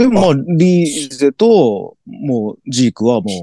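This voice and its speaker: Very wide pitch swings mark a man's dark, mellow voice. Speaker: comedian and podcast co-host. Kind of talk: casual chat. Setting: online call.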